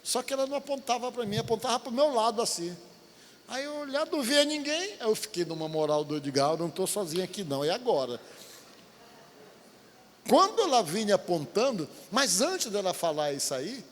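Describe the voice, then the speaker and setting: A man's voice: sits high, animated, a little fast. A male pastor preaching a sermon, telling a story vividly and acting out the quotes. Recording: hall reverb, faint ambient noise.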